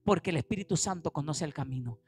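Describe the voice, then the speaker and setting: A woman pastor preaching a sermon in an animated way, swinging between loud emphatic lines and quiet asides. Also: sits low, quick pace, slightly rough. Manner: animated preaching, acting out quoted voices.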